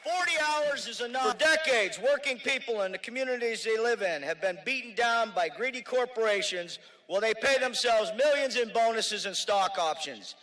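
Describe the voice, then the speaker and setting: A man speaking for his union at an outdoor rally, shouting emphatic, repeated slogans. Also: high-pitched, animated, moderate pace, few pauses, low-quality recording. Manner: chanting slogans, emphatic repetition. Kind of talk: shouted political rally speech.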